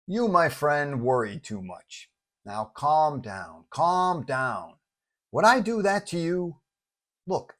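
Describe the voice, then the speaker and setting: A man's voice: on the high side, fairly bright tone, heavily acted. A man voicing a slick, wheedling career politician on the phone, glib and placating.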